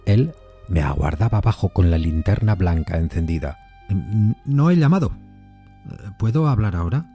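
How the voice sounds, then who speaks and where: An actor playing a composed, rational gentleman who narrates an eerie literary tale in a measured, deliberate way. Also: low voice, expressive, soft background music. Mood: measured, suspenseful, then courteous, curious. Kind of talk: literary first-person narration in audio fiction.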